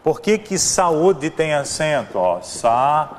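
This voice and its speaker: A man's voice: on the high side, very animated, slow, a little hiss or hum. Brazilian man teaching grammar, reverberant room. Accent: Brazilian Portuguese. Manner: explanatory, repeats examples, frequent "né?" and "ó". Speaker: Portuguese language teacher. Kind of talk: exam-prep grammar lesson.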